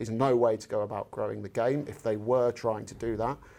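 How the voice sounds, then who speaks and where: A man with a British accent talks at a fairly quick pace and a medium pitch. His voice has a dark, mellow tone and fairly even intonation. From UK. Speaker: golf journalist and broadcaster. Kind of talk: casual chat. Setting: on location at a golf club.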